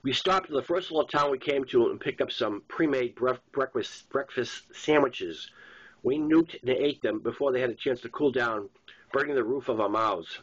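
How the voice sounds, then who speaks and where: A man's voice: medium pitch, moderate pace, breathy edge. A man with a Boston accent reads a first-person novel aloud as its author, in a plain narrating style with occasional stumbles. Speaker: author reading own novel. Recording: dull lo-fi sound.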